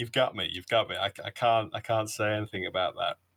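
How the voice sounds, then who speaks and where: A man with an English accent is heard in a dry, close sound with no echo. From England. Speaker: podcast co-host. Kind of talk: casual chat.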